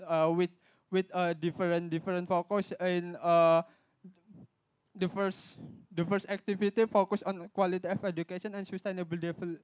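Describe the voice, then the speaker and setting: A man from Indonesia with an Indonesian accent, giving a public talk in halting English with many fillers and restarts. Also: sits high, clean tone, no echo. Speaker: speaker at a youth talk event. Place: event stage.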